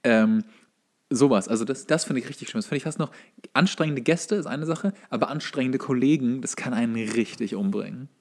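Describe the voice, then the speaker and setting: A man's voice: mid-range voice, a little fast. A man co-hosting a podcast, telling anecdotes in a colloquial, conversational way. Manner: colloquial storytelling. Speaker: podcast co-host. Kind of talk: casual chat, anecdotes.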